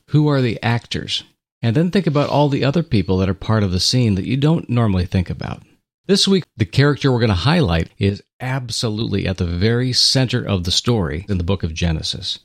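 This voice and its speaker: A man's voice: mid-range voice, lively intonation, fairly quick. A man co-hosting a Christian radio talk in a conversational, earnest, reflective way with preacher-like phrasing. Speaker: radio show co-host.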